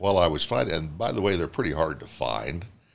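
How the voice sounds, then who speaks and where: A man talks with lively intonation and vocal fry. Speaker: radio voice artist and agricultural liaison. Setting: radio studio.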